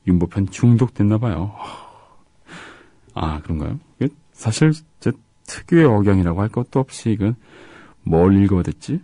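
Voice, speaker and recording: A male radio co-host reads listener comments and chats in a relaxed, soft-spoken, stop-start manner. His voice sits on the low side with lively intonation, captured in studio quality with no room sound.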